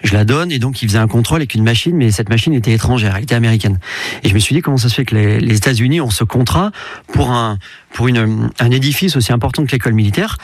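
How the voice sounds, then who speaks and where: Fast-talking man, dry studio sound. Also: mid-range voice, dry recording. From France. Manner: fast, eager, repeats words while explaining. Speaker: company CEO, interview guest. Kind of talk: radio interview, explaining.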